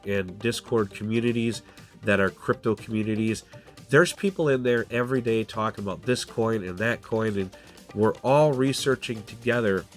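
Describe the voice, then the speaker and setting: A man hosting a casual crypto walkthrough, sounding stuffy and nasal from a cold, talking loosely with lots of fillers. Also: lowish voice. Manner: casual, filler-laden, repeats "go ahead" and "guys". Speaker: crypto channel host. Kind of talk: screen-share walkthrough, casual explainer.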